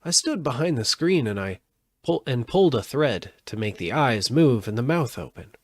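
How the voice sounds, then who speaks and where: A man's voice: medium pitch, animated, moderate pace, no room sound, clean studio sound, voice pushed up, natural voice. A man reading a storybook aloud, voicing a meek, cowardly little old humbug wizard with a trembling, pleading voice. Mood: proud explaining.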